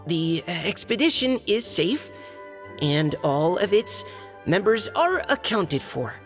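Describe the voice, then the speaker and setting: A young actor playing a shy, hesitant surveyor who stammers while reading a letter aloud. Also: male voice, high-pitched, very animated, slow pace, a bit bright, full character voice. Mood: formal. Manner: nervous and hesitant, stammers and clears his throat. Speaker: letter reader. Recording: game audio with reverb and music.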